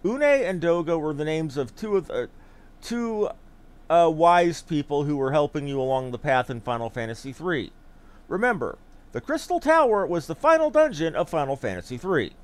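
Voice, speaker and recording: A man's voice: fairly high pitch, sing-song, moderate pace. A man streaming a video game and giving casual commentary.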